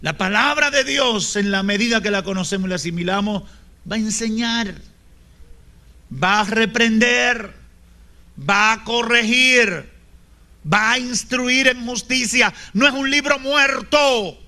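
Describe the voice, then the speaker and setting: A Dominican-accented male pastor delivering a sermon in a high, piercing voice that cuts through sharply. He builds to shouted peaks, then drops to near whispers, and acts out the people he tells stories about. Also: measured pace. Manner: swings from loud shouting to soft whispers.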